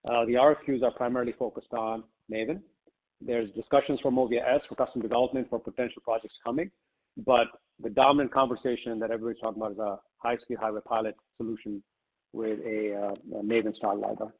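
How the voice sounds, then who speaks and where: Male executive on a shareholder call, brisk and conversational, unscripted, with mildly lo-fi sound. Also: mid-range voice, flat delivery, slightly rough. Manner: conversational, often says "you know" and "right". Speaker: company executive answering shareholder questions. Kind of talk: unscripted Q&A on an investor conference call. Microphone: conference call line. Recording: slightly muffled conference call audio.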